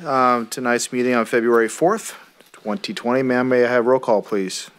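A man serving as mayor, chairing a city council meeting in brisk, polite procedural phrases at a desk microphone in the council chamber. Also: mid-range voice, fairly bright tone, slight background noise.

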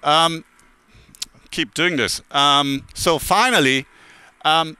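A man's voice: fairly high pitch, takes it slowly, sharp tone, clean tone, no room sound. A man in his forties giving a casual academic talk at a conference lectern, with many fillers and restarts and wry asides. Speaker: conference speaker. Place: conference hall, standing at a lectern.

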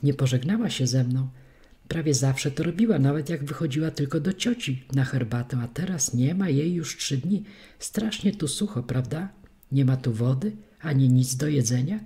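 A woman's voice: a bass voice, expressive, moderate pace, dark tone. A woman reading an audiobook, voicing an earnest five-year-old girl in a raised, childlike voice. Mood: wondering. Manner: serious, childlike chatter.

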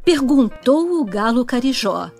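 A Brazilian woman narrates a children's story. She speaks slowly and very expressively in a fairly high voice, with music playing underneath. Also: big pitch swings, a little mellow.

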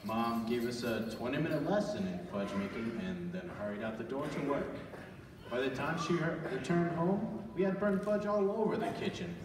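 Nostalgic man as narrator, very animated. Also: medium pitch, moderate pace, close to an everyday voice. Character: nostalgic grown man narrating his childhood. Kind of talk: scripted storytelling narration. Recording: echoey church hall, distant, clearly noisy.

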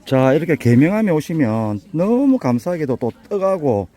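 An older man with a Busan accent, hoarse and a bit winded, chatting folksily as he walks a mountain path for his vlog. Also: on the high side, sing-song, moderate pace, mellow. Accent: Busan Gyeongsang dialect. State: out of breath from climbing. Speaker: vlogger touring local alleys. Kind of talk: casual walking vlog.

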